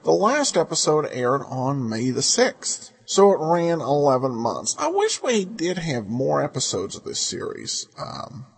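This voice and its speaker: Husky, halting podcast host, man. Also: a little high, huge pitch swings. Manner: halting, stammering, repeats words. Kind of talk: casual unscripted podcast commentary.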